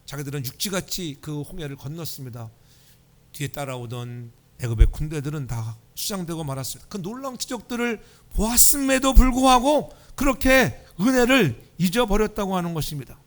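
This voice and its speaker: A male pastor delivers a Sunday sermon from a church, his voice sitting a little higher than most men's. He preaches conversationally, tells stories with a light touch of humor, and keeps prompting the congregation to respond. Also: animated, fairly quick. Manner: humorous storytelling. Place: church sanctuary.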